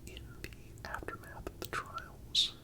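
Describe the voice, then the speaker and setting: A man giving a calm, measured ASMR narration in a deliberate manner. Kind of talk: whispered ASMR history narration.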